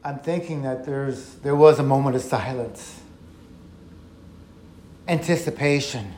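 A man teaching through a Bible passage on a podcast, telling it in an earnest, reflective way and slowing down for emphasis. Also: mid-range voice, darkish tone, slight background noise. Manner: earnest, reflective storytelling with slow emphatic quotes. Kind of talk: podcast Bible study talk. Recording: echoey room.

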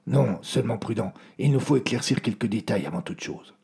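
A weathered old sailor speaks calmly and wryly, as a man puts him on in a slightly raised, gravelly, breathy voice. He sounds like a figure in a spoken audio story. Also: fairly low pitch, a little fast, exaggerated voice. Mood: reassuring. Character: old, steady, wry male sailor.

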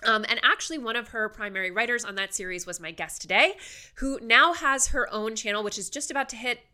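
Stuffed-up, nasal woman host with bright voice. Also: on the high side, fairly quick. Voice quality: blocked, nasal, hollow sound. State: congested, stuffed-up nose from a cold. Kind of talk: chatty show introduction and interview.

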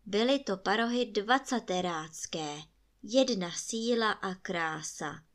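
A woman's voice: medium pitch, a bit bright. Woman reading a bedtime story.

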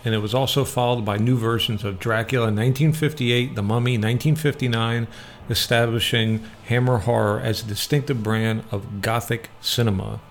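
A man hosting a radio show, giving film review commentary that moves between scripted and casual talk. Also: medium pitch.

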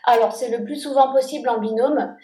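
A woman, a guest UX researcher, talking casually in an interview, measured and with frequent fillers. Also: on the high side, dark tone. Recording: echoey room.

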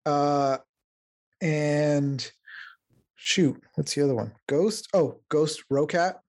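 Joking podcast host, Mexican accent. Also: male voice, a little high, slow. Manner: relaxed, joking, loose trailing phrasing. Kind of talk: casual podcast chat.

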